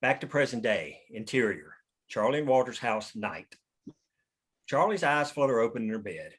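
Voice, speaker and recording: A man reads scripted scene descriptions as the narrator of a table read. His voice is medium in pitch. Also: big pitch swings, moderate pace, fairly bright tone, slightly rough. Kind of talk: scripted narration of stage directions.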